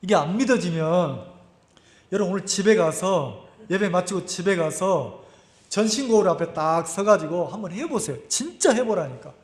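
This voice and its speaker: A man's voice: sits high, animated, normal speed. A male pastor preaching a sermon in a conversational way, acting out scenes and asking the congregation questions. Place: church sanctuary. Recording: echoey church sanctuary.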